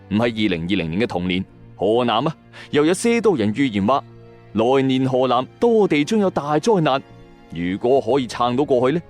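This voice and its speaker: Animated Hong Kong Cantonese male storyteller. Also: mid-range voice. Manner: dramatic storyteller addressing listeners, acting out quoted lines. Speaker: host of a late-night ghost story and urban legend show. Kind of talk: scripted storytelling narration of eerie tales. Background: background music.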